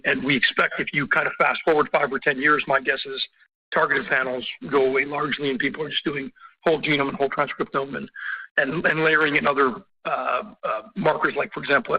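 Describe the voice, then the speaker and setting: A man answering as a company executive on an earnings call, speaking off the cuff in a halting way with repeated words and throat-clearing. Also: on the high side. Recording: dull, band-limited conference call audio.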